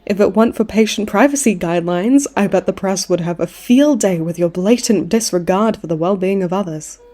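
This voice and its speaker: Smug, mellow-voiced flirty villainess played by a woman. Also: mid-range voice, fairly quick, lightly acted. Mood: smug, mocking. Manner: teasing, mock-sweet, theatrical taunting. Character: smug flirtatious female supervillain in her late twenties, hospitalized. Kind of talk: comedic audio roleplay acting.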